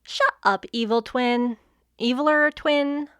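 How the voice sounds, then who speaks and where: A woman's voice: high voice, takes it slowly, a bit bright, clear, resonant tone, dry recording, studio quality. A woman playing a breezy, theatrical schoolgirl in an audio drama comedy, chatty and slangy as she tells things dramatically. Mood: sassy. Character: breezy, theatrical teenage girl student, loves acting.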